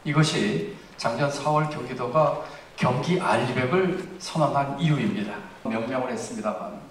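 Man, formal forum speech, measured with hesitant pauses; distant, echoing hall. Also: medium pitch. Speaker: speaker at a policy forum. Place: large conference hall. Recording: echoey hall mic from afar, faint noise.

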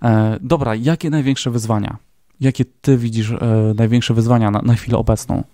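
Mężczyzna, gospodarz podcastu, zadaje pytania swobodnie i żartobliwie, z wahaniami i wtrąceniami „e”. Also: male voice, mid-range voice, normal speed, dry recording, studio quality. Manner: relaxed, jokey questioning with fillers. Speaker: podcast host. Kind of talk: casual interview conversation.

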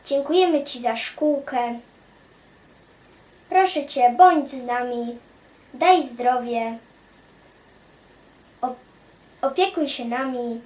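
High-voiced woman praying slowly. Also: a little mellow, dull audio. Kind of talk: simple spoken prayer. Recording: echoey room.

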